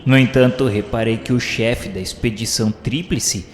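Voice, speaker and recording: A man's voice: medium pitch, fairly even intonation, moderate pace, natural voice. A man playing an earnest spirit pupil who narrates a radio drama in a formal, solemn, literary manner. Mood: solemn, awed. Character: earnest male pupil recounting journey through spirit underworld. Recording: echoey, long reverb with music behind.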